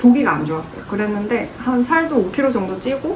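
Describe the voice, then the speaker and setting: Noticeable background noise and audible room echo surround a woman's fairly high voice. She talks at a moderate pace with very wide pitch swings. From Korea, Busan. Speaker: plant YouTuber. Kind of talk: Q&A vlog, casual talk to viewers.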